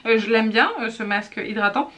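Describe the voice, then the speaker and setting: A woman's voice: fairly high pitch, brisk, fairly bright tone. A woman in her thirties chatting casually about beauty products in a vlog, teasing herself, with lots of fillers and restarts. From France. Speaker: beauty vlogger.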